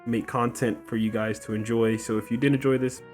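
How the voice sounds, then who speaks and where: A man's voice: mid-range voice, flat delivery, brisk, a little mellow, faint music behind. A man hosting a gaming video, giving casual, slangy playthrough commentary and often repeating himself.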